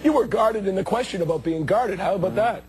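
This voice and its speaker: A middle-aged man hosting a studio talk show, asking brisk, pointed questions with a teasing edge while his voice is going hoarse. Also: high voice, darkish tone. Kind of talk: interview questioning. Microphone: lapel mic.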